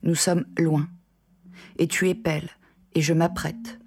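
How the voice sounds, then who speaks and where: A woman narrating her own poetry in a measured, lyrical spoken-word delivery. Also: low-pitched, level tone, a little mellow. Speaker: poet narrator.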